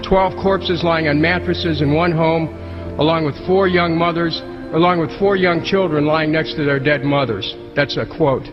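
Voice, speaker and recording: A man's voice: fairly high pitch, normal speed, over music. A man giving a passionate speech in a raised voice, reading aloud. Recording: muffled, reverberant hall.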